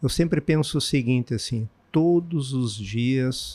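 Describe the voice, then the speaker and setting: A somewhat breathy man's voice at a very slow pace. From southern Brazil, Santa Maria (Rio Grande do Sul). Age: 60s. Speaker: business owner, farm machinery dealer. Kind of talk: podcast interview. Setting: agricultural fair.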